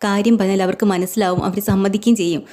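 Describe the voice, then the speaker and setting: A woman's voice: mid-range voice, steady tone, fast talker, mellow, close to an everyday voice. A woman voicing a resentful young wife who complains indignantly, in a retold family story.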